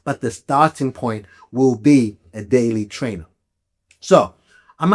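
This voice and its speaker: Man, from Malawi, podcast host, casual explainer, emphatic, conversational, frequent check-ins, medium pitch. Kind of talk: casual explanatory talk to listeners about gear.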